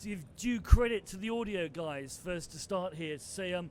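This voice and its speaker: A man with a British accent talks at a high pitch and a moderate pace. Audible room echo fills the recording. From UK. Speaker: broadcast technology engineer. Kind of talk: conference talk. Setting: trade show stage with PA.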